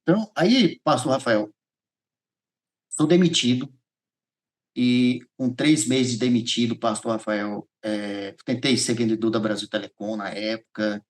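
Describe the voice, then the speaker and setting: A man's voice: medium pitch, unhurried. A man with a Brazilian accent from Goiás, giving a personal testimony as a podcast guest, acting out dialogue and repeating phrases as he tells it. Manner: animated storyteller, repeats phrases, acts out dialogue.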